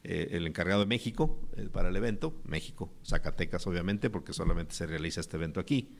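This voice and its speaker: A man's voice: deep voice, expressive, fast, gravelly, slight background noise. A man with a Mexican accent hosting a press conference in an informal, somewhat hesitant way as he searches for words. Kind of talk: informal public presentation.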